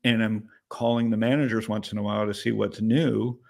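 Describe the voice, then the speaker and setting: This late-fifties startup investor speaks briskly in a low, creaky voice with flat delivery. Appearing as an interview guest, he talks casually, candidly and in a rambling way, often asking "right?".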